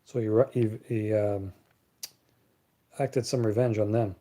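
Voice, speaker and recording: A man's voice: on the low side, steady tone, slow pace, warm tone. A man from Canada hosting a casual live Q&A chat, blunt and sarcastic, rambling and repeating words as he talks. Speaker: live stream host.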